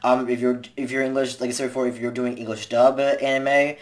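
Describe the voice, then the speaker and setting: A man's voice: medium pitch, flat delivery, fast. A young man in his twenties giving casual advice to a webcam from his bedroom. He rambles, restarts his sentences and says "like" a lot while gesturing with both hands. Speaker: vlogger giving voice acting tips. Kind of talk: casual advice talk to camera. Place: small bedroom indoors, seated in a gaming chair. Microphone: webcam at desk distance.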